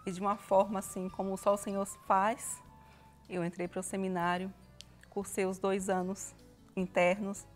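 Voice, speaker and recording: A woman in her thirties, a missionary guest on a TV cooking show, speaking in an earnest, measured and devout way. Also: medium pitch, level tone, soft background music. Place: TV studio kitchen set.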